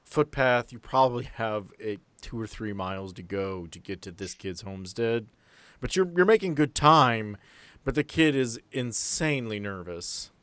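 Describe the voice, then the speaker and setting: A man's voice: on the low side, expressive, moderate pace, a bit bright, clear, resonant tone, dry recording. A man narrating a tabletop roleplaying game as game master, with joking asides.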